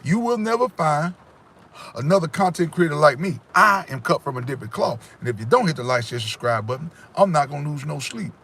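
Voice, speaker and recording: Husky man preaching to his viewers. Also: fairly high pitch, animated, a little fast, fairly bright tone. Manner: preachy and emphatic, addressing viewers directly. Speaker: livestream host. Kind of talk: casual motivational livestream talk. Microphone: phone or webcam in front of him.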